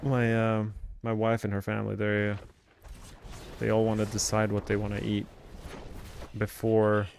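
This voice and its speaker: A man with a light Swedish accent talks loosely through a live gaming stream, and his voice sits a little low. He muses out loud, stringing thoughts together with lots of "like" and "uh". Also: monotone, a little slow, creaky, pauses often, slight background noise. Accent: Swedish, lightly softened. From Sweden. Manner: rambling, filler-heavy, musing aloud. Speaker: game streamer. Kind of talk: casual live-stream chat over gameplay.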